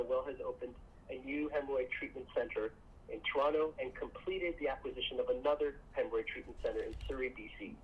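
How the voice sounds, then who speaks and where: Dull, band-limited call audio with noise carries a man's mid-pitched voice. He speaks as a company executive, reading a prepared financial presentation. His delivery is formal and measured throughout. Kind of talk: scripted earnings call presentation.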